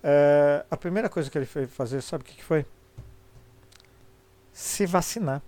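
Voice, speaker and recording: A man's voice: on the high side, normal speed, mellow. A middle-aged Brazilian man with a congested, sniffly voice from a cold, chatting casually and opinionatedly on a live stream in informal, sweary Brazilian Portuguese speech.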